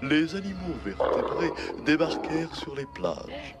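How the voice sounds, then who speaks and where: A man's voice: fairly high pitch, very animated, a little slow, very noisy. A man playing a grand, solemn narrator in a cartoon, delivering scripted storytelling. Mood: solemn, epic. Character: grand male documentary-style cartoon narrator. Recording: cartoon soundtrack with music behind.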